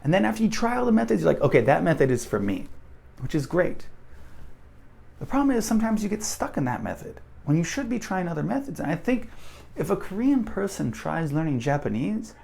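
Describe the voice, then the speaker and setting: Animated gravelly man. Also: high-pitched, a little fast. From United States. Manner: animated, rambling, many restarts and fillers. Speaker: language vlogger. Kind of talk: casual monologue to camera.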